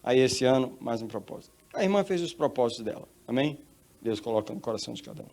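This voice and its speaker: Brazilian pastor preaching with emphatic repetition. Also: male voice, medium pitch, lively intonation, fast, a little mellow. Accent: Brazilian Portuguese. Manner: emphatic storytelling, repeats phrases. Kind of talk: sermon.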